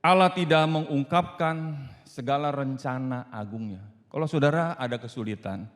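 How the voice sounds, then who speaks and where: A man with an Indonesian accent preaching a sermon, his voice swinging from loud cries down to low murmurs. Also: moderate pace. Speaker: pastor. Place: church sanctuary. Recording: long church reverb.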